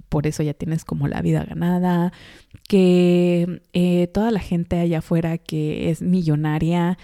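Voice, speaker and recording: A young woman with a Mexican accent and a lowish, dark voice hosts a podcast from her home in Chicago, recorded in clean studio sound with no room noise. Her casual monologue is chatty and rambling, full of fillers and laughs.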